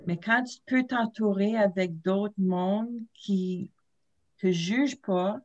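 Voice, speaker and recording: A middle-aged woman with a Franco-Ontarian accent tells anecdotes on a video call from a home office. Her voice is mid-pitched and conversational. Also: takes it slowly, muffled recording. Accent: Franco-Ontarian French. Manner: storytelling, warm laughs. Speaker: panelist. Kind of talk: casual video-call discussion.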